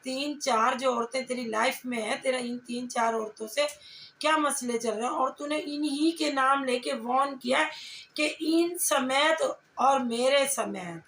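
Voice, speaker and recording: A woman's voice: high voice, a bit bright. A woman giving confrontational reaction commentary, scolding and taunting with pointed rhetorical questions. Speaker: reaction vlogger. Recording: echoey room, faint background noise.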